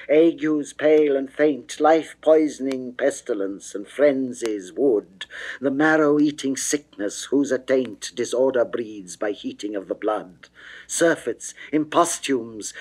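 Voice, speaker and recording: A man voicing a seductive goddess of love who pleads passionately, in a theatrical, declamatory and measured classical verse reading. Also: medium pitch, a little mellow, natural voice, low-quality recording. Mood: ominous, impassioned.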